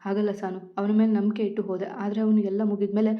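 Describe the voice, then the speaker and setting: A woman voicing a heartbroken young college woman who talks in a tearful, halting way, part of a storybook reading. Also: medium pitch, little pitch movement, natural voice. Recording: dull lo-fi recording.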